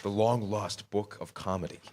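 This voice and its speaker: A man's voice: on the low side, fairly even intonation, moderate pace, a little mellow, lightly acted. A man playing an earnest, easily flustered aspiring screenwriter in a staged comedy reading. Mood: earnest, nervous. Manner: hesitant, stammering, indignant when crossed.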